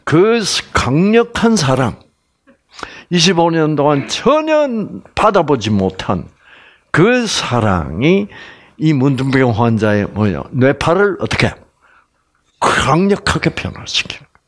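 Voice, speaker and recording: Male lecturer, emphatic storyteller, keeps quizzing the crowd, unhurried delivery. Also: a little high, sing-song. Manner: quizzes the audience with repeated prompting questions. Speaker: health lecturer teaching the Bible. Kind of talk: live Bible lecture to an audience.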